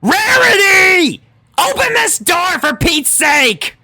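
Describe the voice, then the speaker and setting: A man's voice: very high voice, big pitch swings, takes it slowly, gravelly, sharp tone, no room sound, raised voice, pitched above the performer's own voice, heavily acted. A man voicing a brash, hot-tempered female cartoon pegasus pony in an exclamatory, exasperated way. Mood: impatient shouting. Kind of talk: animated fan fiction character reading.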